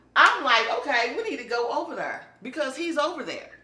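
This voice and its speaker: A woman's animated tone amid audible room echo. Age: 40s. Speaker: vlogger. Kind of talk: storytime vlog; casual vlog. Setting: kitchen.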